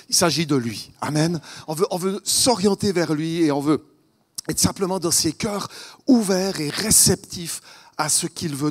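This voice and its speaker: High-voiced Swiss preacher from Vaud. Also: male voice. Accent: Swiss French (Vaud). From Vaud, Switzerland. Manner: earnest, asks the audience questions, swings between loud stress and hushed lines. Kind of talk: sermon. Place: church conference.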